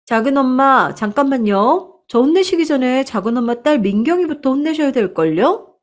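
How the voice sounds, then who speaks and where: A woman's voice: high voice, lively intonation, normal speed, voice pushed up. A woman voicing a cheeky, self-assured young woman student who talks back confidently. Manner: pert, confident talking back.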